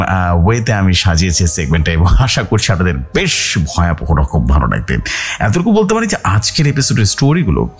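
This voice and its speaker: A man's voice: sits low, husky. A man hosting and narrating a horror storytelling show in a dramatic radio style, mixing in English words. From Bangladesh. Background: music.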